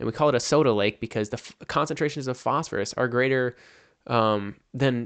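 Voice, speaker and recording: A man speaks with a Minnesotan accent at a fairly quick pace. His medium pitch shows ordinary variation over a quiet background. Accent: Minnesota. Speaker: podcast co-host. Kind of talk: casual chat. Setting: remote recording.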